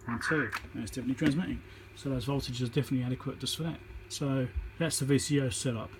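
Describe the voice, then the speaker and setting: A man's voice: mid-range voice, steady tone, quick pace, noisy background. A man giving an informal, matter-of-fact hands-on repair tutorial, thinking aloud as he works, recorded on a phone on a tripod. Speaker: electronics repairer demonstrating.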